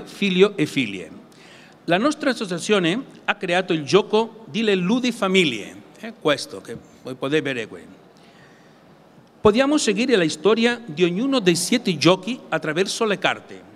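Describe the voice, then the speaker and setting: Halting Catalan-accented man, reverberant amplified sound. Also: sits high, a bit bright. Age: middle-aged. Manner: halting, searching for words in non-native Italian. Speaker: conference speaker presenting games. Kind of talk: prepared public presentation. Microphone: gooseneck table microphone.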